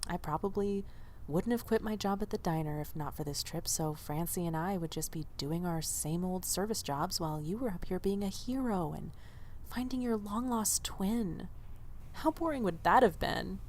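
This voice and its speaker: Actress as earnest young waitress in an audio drama, kinda low voice, expressive, bit of noise behind her. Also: moderate pace, close to an everyday voice. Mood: reassuring. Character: Lizzie, earnest young woman, loyal diner waitress.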